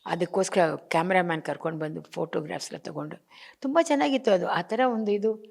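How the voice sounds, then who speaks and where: A woman's voice: lowish voice, fast talker, vocal fry, a little mellow. Older woman recalling her late husband. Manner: mixes in English phrases, acts out remembered dialogue. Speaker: actress and interview guest. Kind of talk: emotional personal interview.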